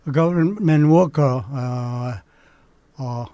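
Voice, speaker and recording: A man in his eighties, native Korean speaker, recalling his childhood in a halting way with many pauses. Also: medium pitch, warm tone, clear, resonant tone, no echo. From Manchuria. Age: 80s. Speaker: guest. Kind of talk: recalling memories in an interview.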